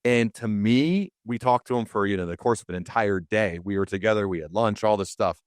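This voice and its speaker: Male interviewer, deep voice, casual podcast chat, tight dry sound. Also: brisk, no echo.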